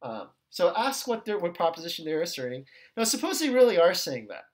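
Man teaching ethics, lively pitch. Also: brisk. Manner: conversational, checks in with "okay" and "right"; acts out quoted questions with shifting tones. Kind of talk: recorded lecture video.

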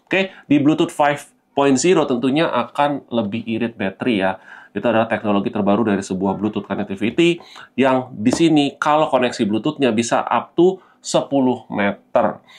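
A man's voice: medium pitch, normal speed. A man hosting a casual gadget unboxing, explaining things conversationally to viewers and mixing in English terms. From Indonesia. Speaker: gadget reviewer and vlog host. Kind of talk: casual product unboxing commentary.

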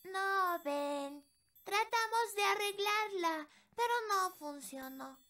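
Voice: very high voice, expressive, takes it slowly, bright, forceful tone, faint music behind, heavily acted. A performer voicing an earnest, sweet little fairy princess girl in a children's cartoon, with a Latin American Spanish accent. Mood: worried.

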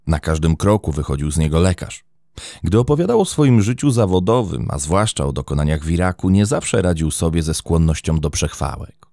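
Deep-voiced man narrating true crime. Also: animated, a little fast, warm tone, no room sound, clean studio sound. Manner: dramatic storytelling, wide pitch swings.

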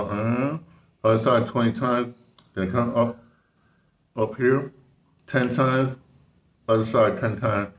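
Older man, casual vlog update, rambling, distant from a phone mic in an echoey bedroom. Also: fairly low pitch. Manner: rambling, with many restarts and fillers. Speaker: vlogger. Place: small bedroom indoors. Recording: roomy echo, voice from off the mic.

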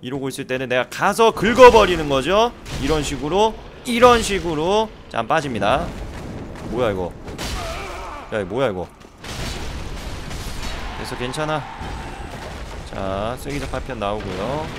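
A man streaming a game, commenting excitedly, swearing at an opponent, swinging between muttering and shouting. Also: mid-range voice, moderate pace, long pauses, noisy background. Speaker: gameplay streamer. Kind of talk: live gameplay commentary.

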